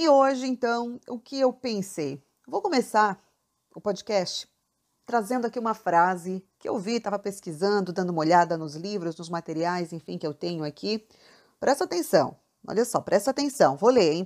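A woman's voice: mid-range voice, normal speed, a little mellow. Chatty woman hosting a podcast. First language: Portuguese. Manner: chatty, addresses the listener directly. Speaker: podcast host. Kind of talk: casual language-learning podcast talk.

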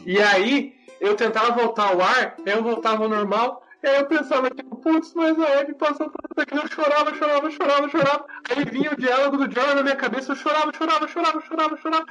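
A high-voiced man tells a story in a casual podcast chat, animated and expressive, repeating words for emphasis. The sound is slightly dull and lo-fi, with faint music in the background. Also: fast, few pauses.

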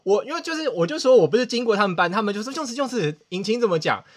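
A man's voice: sits high, big pitch swings, rapid-fire. A man, hosting a podcast and telling a self-mocking story with dramatic outbursts. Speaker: podcast host. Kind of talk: casual storytelling chat.

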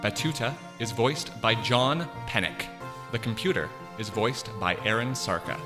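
A man, the show's creator, reading the end credits in a brisk scripted way. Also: mid-range voice, lively intonation. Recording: music bed.

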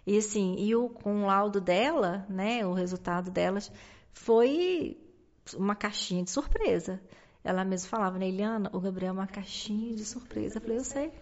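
A woman with a Brazilian Portuguese accent, a podcast guest, telling her story as a mother with many pauses, restarts and tag questions. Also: mid-range voice, darkish tone. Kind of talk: personal storytelling in a conversation. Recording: dull lo-fi recording.

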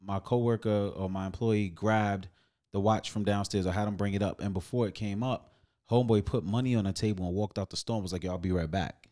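A man's voice: on the low side, fairly even intonation, fairly quick, warm tone. A man with an African American New York accent telling a story casually as a podcast host, using street slang and acting out dialogue.

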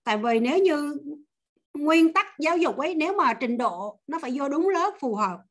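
A woman's voice: high-pitched, expressive, normal speed. A woman confidently explains how she will help test learners' levels on a video call. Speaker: volunteer tester. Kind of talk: casual talk on a video call.

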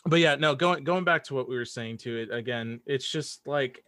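A man speaking as a guest in a casual chat, hesitant and halting, often repeating his words. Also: medium pitch, sharp tone, dry recording, studio quality. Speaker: podcast guest, audio drama writer.

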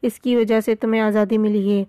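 A woman's voice: mid-range voice, little pitch movement, mellow, dry recording, studio quality, natural voice. Woman reading as a stern jungle hero. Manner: decisive, stern. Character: bold commanding male jungle hero.

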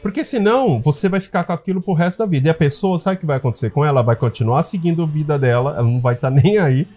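A man with a mellow, warm voice talks straight to his listeners like a coach on his own podcast. He slows right down on the words that matter and tags "tá?" onto his points. Soft guitar music plays faintly behind him. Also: fairly high pitch, animated. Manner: earnest, coaching tone, slows down to stress key words, often adds "tá?" to check in. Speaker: podcast host. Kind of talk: advice podcast monologue.

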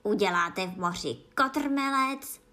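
A woman's voice: fairly low pitch, lively intonation, creaky, fairly bright tone. A woman doing a weepy, mournful sea turtle. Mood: excited. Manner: tearful, slow and mournful.

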